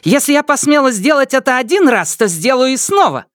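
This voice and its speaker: A man voicing a spoiled, furious rich teenage girl in an audiobook, shrill, mocking and scornful. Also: sing-song, a little fast, fairly bright tone, no echo, studio quality, exaggerated voice. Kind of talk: audiobook character voice.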